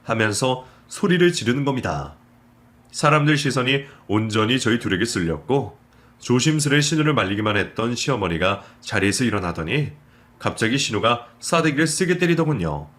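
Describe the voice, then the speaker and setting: A man narrating a scripted story in a steady, measured way. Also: mid-range voice.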